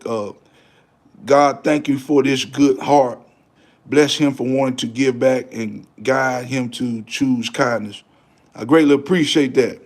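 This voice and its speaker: A man in his thirties hosts a casual livestream where he talks faith with his viewers. His voice sits at an ordinary middle pitch, and he preaches in an easy, repetitive style, calling out to them as "brother" and "y'all."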